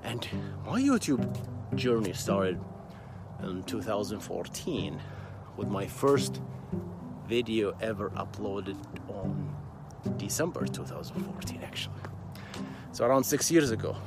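A slow-talking man, chatting to camera about his work. His low-ish voice swings widely up and down as he restarts and repeats words. Music plays underneath him throughout. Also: expressive. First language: Arabic. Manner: halting, repeats words, many fillers. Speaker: software engineer and YouTuber. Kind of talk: casual talk to camera.

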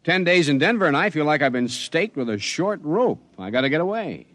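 An actor playing an injured, skeptical mountain climber with a brusque manner, in a radio drama. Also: male voice, a little high, sing-song, a little fast, fairly bright tone, no room sound. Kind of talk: 1950s radio drama acting.

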